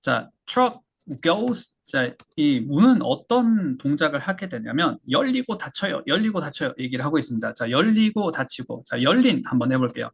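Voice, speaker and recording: A man teaching English pronunciation, drilling words slowly and then explaining briskly. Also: a little high, sing-song, vocal fry, husky. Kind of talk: language lesson explanation.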